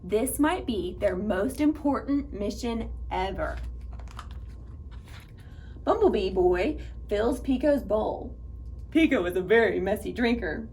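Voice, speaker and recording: A woman reading aloud to young children at storytime, with an animated manner and speaking directly to her listeners. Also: mid-range voice, takes it slowly, pauses often, a little hiss or hum. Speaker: children's librarian and storytime reader.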